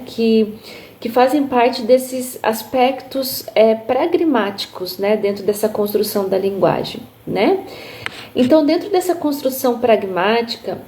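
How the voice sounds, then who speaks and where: Woman explaining, mellow higher voice. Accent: Brazilian Portuguese. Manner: explanatory, tags sentences with né and tá; demonstrates intonations with her voice. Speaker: music therapist teaching. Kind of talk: live online lecture. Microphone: phone livestream.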